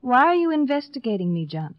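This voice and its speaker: Cool, coy old radio serial dame. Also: female voice, fairly high pitch, sing-song, fast talker, dry recording. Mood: guarded. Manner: teasing, cool, evasive. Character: cool, coy, guarded young other woman. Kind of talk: 1950s American radio detective serial acting. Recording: dry, dull old radio recording.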